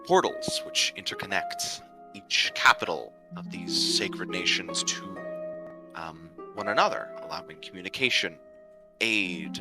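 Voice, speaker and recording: A man from the United States serving as dungeon master, narrating a tabletop game livestream in a halting way with many fillers and restarts. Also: low-pitched. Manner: halting, full of ums and uhs and restarts.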